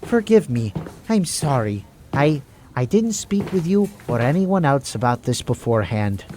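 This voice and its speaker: A man's voice: medium pitch, sing-song, a little slow, dark tone, a little hiss or hum. An actor playing a meek male pharmacist in an audio drama, speaking in a hesitant, contrite way. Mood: apologetic. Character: meek, apologetic male pharmacist hiding a secret. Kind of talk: amateur audio drama acting.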